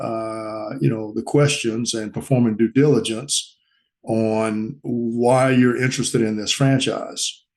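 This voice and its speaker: A man speaks with a New Orleans accent. His delivery is very slow and monotone, with flat intonation. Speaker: franchise consultant. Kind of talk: interview. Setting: video call. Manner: halting, many fillers.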